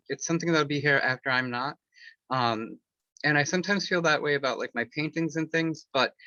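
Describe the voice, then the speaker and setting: A man's voice: medium pitch, pushed and bright, dry recording. A man answering an interview question in a loose, rambling way, with many fillers and restarts, speaking candidly about personal matters. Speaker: author and interview guest. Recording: dull lo-fi, dry sound.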